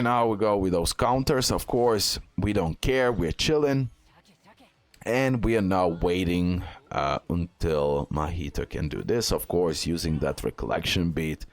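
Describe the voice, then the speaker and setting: A man giving casual, off-the-cuff gameplay commentary, repeating phrases and tacking on little check-in questions. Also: sits low. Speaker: gaming content creator.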